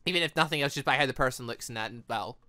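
Giggly let's player, bright voice, super animated, close dry mic with music behind. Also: medium pitch, racing, dry recording. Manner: excitable, giggly, chatty. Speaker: host of a game playthrough. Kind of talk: let's play commentary, reading visual novel dialogue aloud.

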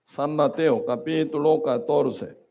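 Slow, higher-voiced male preacher. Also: mellow. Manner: keeps asking the congregation "¿verdad?" and "¿sí o no?"; emphatic, broken into short phrases. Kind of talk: sermon.

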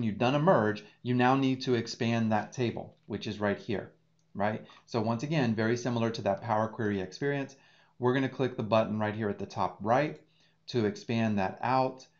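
Guy in his 30s doing a screen share tutorial, talks thru each click, kinda dull lo-fi sound. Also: mid-range voice. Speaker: data engineering instructor.

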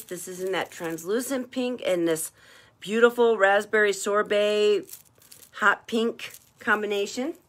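A woman's voice: mid-range voice, a bit bright. A woman hosting a live online jewelry party, chatting and gushing over each piece as she shows it. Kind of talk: live-stream sales chat.

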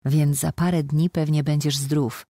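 A woman's voice: sits low, fairly even intonation, a little slow, no echo, studio quality. A woman reading a compassionate young nurse. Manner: gentle, matter-of-fact.

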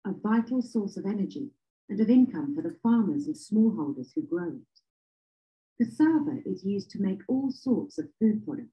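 A woman's voice: mid-range voice, sing-song, normal speed. Woman narrating, dull lo-fi sound. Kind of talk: scripted narration.

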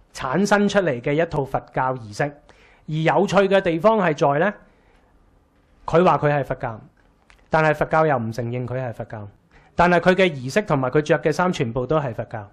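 Wry Hong Kong Cantonese man lecturing. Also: on the high side. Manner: conversational, wry, lively with rhetorical questions. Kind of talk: casual lecture. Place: small lecture room with a projector.

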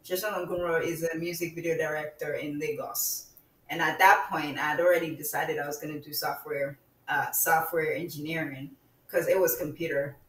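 A young woman in her twenties, from Nigeria, talking as a guest in an interview in a reflective, relaxed way. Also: deep voice, moderate pace. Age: 20s. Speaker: guest, digital designer. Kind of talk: interview conversation. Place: room at home. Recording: roomy, distant mic with faint noise.

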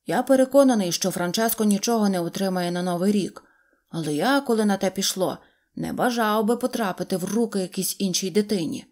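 A woman voicing a shy little rag toy dog, mellow and eager. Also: medium pitch, brisk, natural voice. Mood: earnest.

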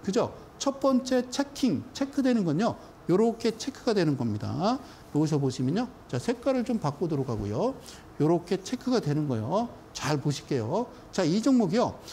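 A man's voice: high voice, very animated, normal speed, warm tone, a little hiss or hum. A middle-aged man giving a stock chart lecture, emphatic, often checking in with his viewers. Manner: emphatic, keeps checking in with the audience. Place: studio.

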